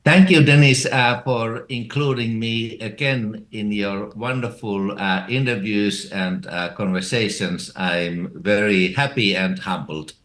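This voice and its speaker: A man from Finland with a Finnish accent, a theology professor explaining ideas slowly with frequent hesitations in an interview. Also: fairly low pitch, fairly bright tone. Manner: slow and measured, many hesitations. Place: residence in Finland.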